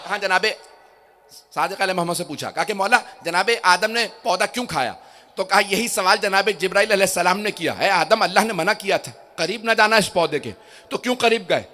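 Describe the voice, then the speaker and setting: A man preaching an impassioned sermon to a gathering, dropping to quiet asides and then building to loud, drawn-out shouted climaxes. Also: high-pitched. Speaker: Shia cleric giving a religious lecture. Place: gathering before a crowd.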